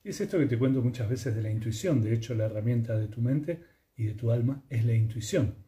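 A man with a Rioplatense Spanish accent giving a calm, unhurried yoga lesson, speaking gently with pauses. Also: mid-range voice. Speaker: yoga teacher. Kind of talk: reflective spoken lesson.

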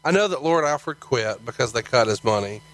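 Man, podcast host, probing questions, conversational, mid-pitched. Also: expressive, normal speed, a bit bright, rough recording. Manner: probing, leads with follow-up questions.

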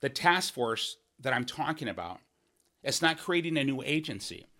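A man's voice: medium pitch, big pitch swings, normal speed, pushed and bright. A man in a mid-range voice delivers a podcast monologue about his campaign. His tone is earnest and emphatic, and he keeps circling back with rhetorical "right?" checks. Phrases restart as he builds each point. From Washington State. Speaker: political candidate hosting a podcast.

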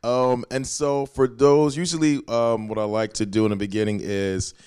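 A man's voice: medium pitch, level tone, moderate pace, a little mellow, smooth, no room sound, studio quality. A man hosting an interview podcast with laid-back, upbeat patter. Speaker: podcast host.

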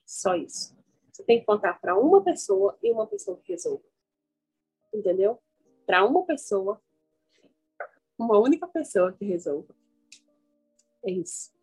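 A woman's voice: medium pitch, big pitch swings, normal speed, creaky, pauses often, darkish tone, husky, rough recording. A Brazilian woman hosting a motivational self-help radio program, instructing listeners directly with emphatic repetition and guided declarations, with music behind her.

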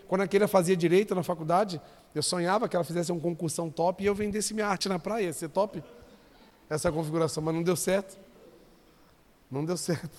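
High-voiced preaching man in a reverberant church hall. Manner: conversational, joking, calls out to the congregation. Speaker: pastor. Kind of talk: sermon.

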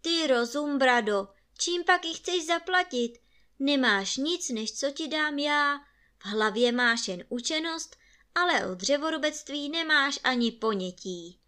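A woman's voice: high voice, expressive, a bit bright, pitched above the performer's own voice. A woman voicing a grumpy older woodcutter who scolds his son angrily. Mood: angry. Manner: angry, scolding.

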